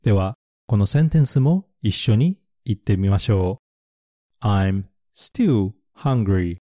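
A man hosting a picture-book English podcast, reviewing vocabulary slowly and carefully and repeating English words and phrases for learners. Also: lowish voice, lively intonation, mellow, dry recording, clean studio sound.

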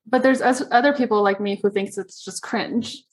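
A woman's voice: mid-range voice, steady tone, moderate pace, husky. A woman hosting a podcast from a friend's plant-filled home, chatting casually and laughing often. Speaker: podcast host. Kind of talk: casual chat. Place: guest's home full of plants.

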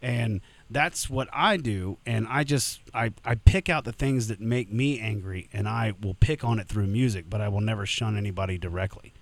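A man's voice: fairly low pitch, moderate pace, few pauses. A man, a punk musician guest on a podcast, talking bluntly and casually and swearing freely.

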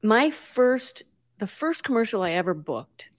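Speaking a little slowly, this woman has a fairly high voice with big pitch swings. Middle-aged, she grew up in the US in a Puerto Rican family, and as a guest she tells lively stories, performing quotes and dropping in Spanish.

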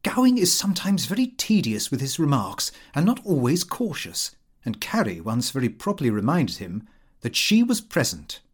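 A British man reads a comic diary aloud as an audiobook narrator. His pitch is mid-range but moves about a great deal, giving the prim, precise phrasing a very animated shape. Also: normal speed, husky. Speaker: audiobook reader. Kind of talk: scripted narration of a comic fictional diary, read in character as the diarist.

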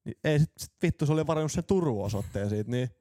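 Turku guy on a podcast, mellow low tone, swears and jokes, dry sound. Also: animated, no echo. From Turku, Finland. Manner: joking, sweary anecdotes. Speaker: podcast co-host. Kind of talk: casual chat.

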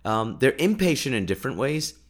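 A man's voice: medium pitch, big pitch swings, brisk. A young man, a native Urdu speaker, telling travel stories in a chatty way, full of fillers, restarts and laughs. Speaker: podcast host. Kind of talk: casual travel storytelling.

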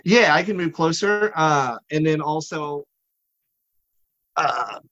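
A man's voice: fairly high pitch, lively intonation, takes it slowly, pushed and bright, dry recording. A man chatting casually as a podcast co-host, his audio coming through a phone on a remote call and breaking up into a choppy, digitized buffering stutter. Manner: rambling, with many fillers. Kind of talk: casual chat. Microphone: phone audio over a remote call. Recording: dull lo-fi phone line, dry.

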